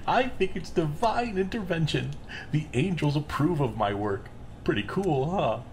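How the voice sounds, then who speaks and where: A breezy, self-righteous serial killer played by an actor in an audio drama. The voice is casual and chatty, swinging widely in pitch, over faint background noise. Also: expressive, unhurried, darkish tone. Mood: breezy, boastful. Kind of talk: full-cast audio drama acting.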